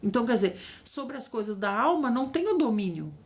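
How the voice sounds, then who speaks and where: A woman's voice: fairly high pitch, a little fast. A middle-aged woman with a Brazilian Portuguese accent leading an informal Bible study, retelling the story in a chatty way and often checking in with her listeners. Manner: chatty storytelling, tag questions, lively retelling. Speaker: Bible teacher.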